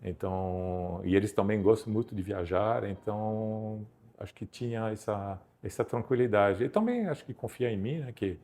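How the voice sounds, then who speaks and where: French-speaking Belgian man, low voice. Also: warm tone. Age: 50s. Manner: halting, self-repeating, laughs while telling stories. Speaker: guest photographer. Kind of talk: casual interview storytelling.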